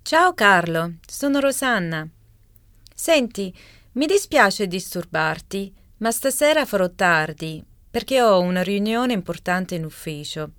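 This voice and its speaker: A woman voices a caller leaving a voicemail, speaking slowly and with careful enunciation. Her tone is smooth and resonant, and the recording is close and dry, with no room sound. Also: medium pitch, animated, a bit bright, dry recording. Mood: apologetic. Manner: slow, carefully enunciated delivery. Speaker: voice actor in a language listening exam. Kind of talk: scripted exam dialogue reading.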